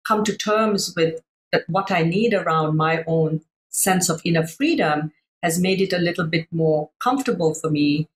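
A thoughtful middle-aged woman from Sri Lanka talks as a coach on a video call from home. Her voice sits a little low, and she pauses often, filling the gaps as she searches for the right words. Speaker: master coach, panel guest. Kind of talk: reflective panel discussion. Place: room at home.

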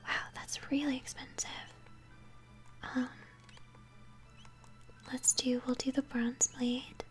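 Whispering young woman, gentle ASMR game commentary. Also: high-pitched, level tone. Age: young adult. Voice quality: soft, breathy whisper. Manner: gentle, chatty, unhurried narration of play. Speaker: game streamer, host. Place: small home room, indoors. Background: game music.

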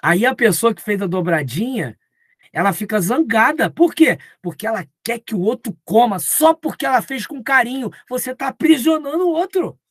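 A man's voice: very high voice, animated, moderate pace, a bit bright, dry recording, clean studio sound. A man preaching at a live Bible study, talking conversationally and acting out little dialogues. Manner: conversational, acts out quoted dialogue.

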